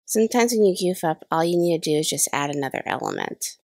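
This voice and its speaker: Woman in her thirties, host of a crafting tutorial voice-over; slightly nasal from a cold, low-pitched and gravelly, dry close recording. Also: big pitch swings, fast, a little mellow, dry recording. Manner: chatty, self-deprecating about mistakes. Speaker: card-making channel host. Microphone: voice-over recorded separately.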